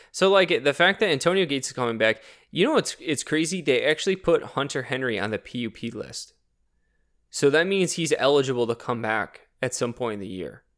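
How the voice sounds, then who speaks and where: With a normal speaking voice, a man talks at a fairly quick pace, his pitch fairly high and his intonation lively. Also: very clean recording, silent background. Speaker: podcast co-host, football fan. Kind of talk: casual chat, sports talk. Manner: casual, excitable.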